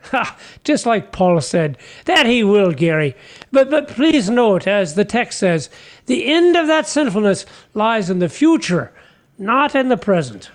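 An actor playing a humble, folksy fisherman apostle in a comic radio sketch, earnest and chatty, halting over his words. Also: high voice, sing-song. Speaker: guest character.

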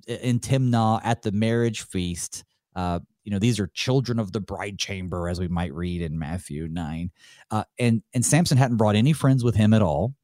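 A man's voice: on the low side, mellow, no echo, clean studio sound. A male pastor hosting a solo Bible study, talking it through in a conversational way, thinking aloud with light chuckles. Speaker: pastor and host.

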